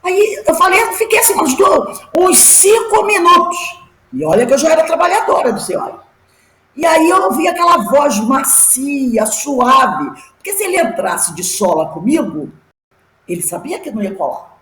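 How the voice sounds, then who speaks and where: A middle-aged woman teaching a class, telling personal stories with lively emphasis and rhetorical questions. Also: high voice, moderate pace, reverberant, slight background noise, poor audio. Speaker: class teacher at a spiritist study group.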